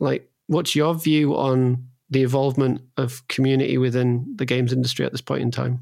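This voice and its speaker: A man speaks in a plain, everyday voice at a medium pitch. His pace is moderate, with hardly any pauses and fairly even intonation. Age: 40s. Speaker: podcast host. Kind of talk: interview.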